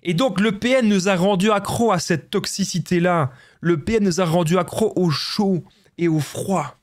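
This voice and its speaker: Belgian coach, male, high voice; pushes the point, repeats himself, speaks to viewers as friends. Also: moderate pace. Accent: Belgian French. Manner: emphatic, repetitive, addresses viewers as friends. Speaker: relationship coach. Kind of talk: direct-to-camera advice monologue.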